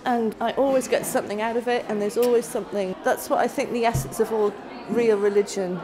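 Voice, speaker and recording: A woman speaks gently and from the heart in a slightly high voice. Chatter hums in the hall behind her. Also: steady tone, fairly quick. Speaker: churchgoer, mother. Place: church hall.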